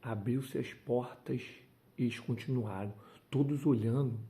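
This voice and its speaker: A man's voice: mid-range voice, unhurried, dark tone. A man preaching a devotional sermon, fervent and emphatic, breaking into exclamations of praise.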